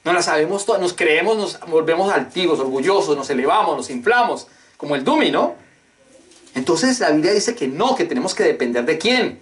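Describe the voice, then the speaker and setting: A man's voice: fairly high pitch, expressive, fairly quick. A male pastor preaching a sermon with emphatic, emotional delivery, repeatedly throwing questions at his congregation. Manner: rhetorical call-and-response questions.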